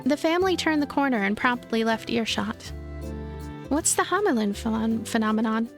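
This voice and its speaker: High-voiced woman over music. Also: expressive, moderate pace. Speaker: let's play streamer. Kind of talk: storybook-like narration of a visual novel with casual asides.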